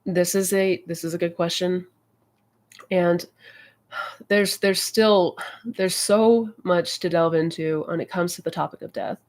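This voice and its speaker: Woman host, lowish voice, a bit stuffy and nasal, chatty livestream delivery with fillers. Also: steady tone, unhurried, darkish tone. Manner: friendly, chatty, many fillers. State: stuffy, slightly nasal from a cold. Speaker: manifestation coach hosting a live Q&A. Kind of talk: casual livestream chat.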